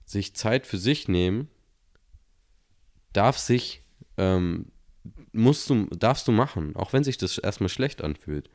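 Deep-voiced man rambling on his podcast. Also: slow pace, pauses often. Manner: relaxed slangy rambling, many fillers. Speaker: podcast host. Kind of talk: casual solo podcast storytelling.

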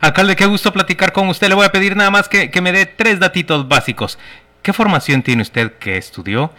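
Bright-voiced man co-host. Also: high voice, a little fast. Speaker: radio co-host. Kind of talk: radio interview.

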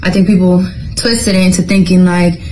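A woman's voice: on the low side, level tone, normal speed, mellow, slight background noise, poor audio. A woman recording a video statement to fans, earnest and defensive, saying "like" often. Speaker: singer addressing fans.

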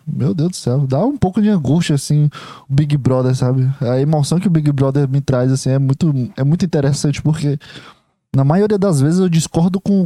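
A man's voice: on the high side, warm tone, no room sound. A young man with a Brazilian accent giving a rambling casual opinion monologue, full of restarts and fillers. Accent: Brazilian Portuguese. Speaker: commentator.

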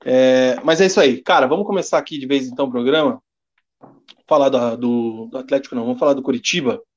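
A man's voice: medium pitch, fast talker, dull audio. A Brazilian man co-hosting a casual sports podcast, reading standings and listener comments with a joking tone. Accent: Brazilian Portuguese. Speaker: podcast co-host.

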